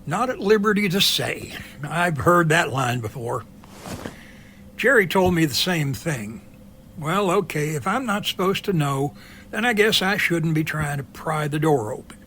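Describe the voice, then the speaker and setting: Easygoing, nosy middle-aged pilot male actor, slightly high voice, wry chatter, faint noise behind. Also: animated, measured pace, bright, forceful tone, full character voice. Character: easygoing, curious older helicopter pilot. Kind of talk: amateur audio drama dialogue.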